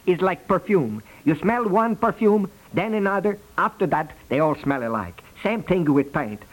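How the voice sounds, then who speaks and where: An actor playing a stubborn, exasperated veteran house painter with blunt working-class speech in a 1950s radio comedy. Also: male voice, high voice, animated, normal speed, rough recording. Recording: vintage 1950s radio recording.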